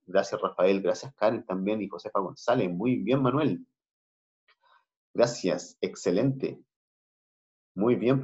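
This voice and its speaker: A man with a Chilean accent teaching an English class online, switching between slow English and Spanish explanations. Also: fairly low pitch, darkish tone. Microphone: video call. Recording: muffled video-call audio.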